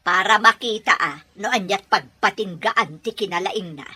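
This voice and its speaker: An actress playing a stern, resentful mother in a radio drama, nagging and exasperated, with a husky voice and Filipino Ilocano accent. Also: medium pitch, normal speed, pushed and bright. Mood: scornful.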